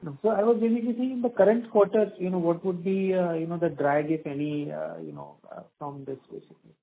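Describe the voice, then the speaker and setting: Casting: hesitant male analyst, gravelly and fairly high voice, heard over a tinny phone line. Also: fairly even intonation, fast. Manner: hesitant, full of "you know". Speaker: analyst asking questions. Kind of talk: earnings call questions.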